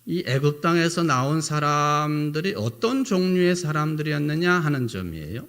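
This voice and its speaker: A man's voice: a little high, lively intonation, moderate pace, fairly bright tone. A middle-aged male pastor giving a sermon in a conversational way, often posing rhetorical questions to the congregation.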